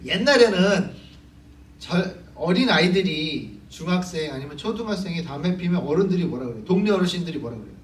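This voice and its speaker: A man's voice: on the high side, lively intonation, brisk, slight background noise. A man preaching a Sunday sermon in a conversational way, asking the congregation questions and acting out stories. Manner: conversational preaching, acts out quotes. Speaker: pastor. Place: church sanctuary. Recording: echoey church hall from far off.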